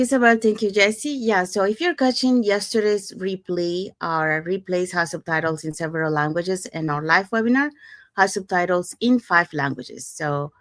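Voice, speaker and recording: A woman from Panama hosting a podcast, giving upbeat, steady explanations in a casual promotional tone. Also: lowish voice, no echo, clean studio sound. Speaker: podcast host.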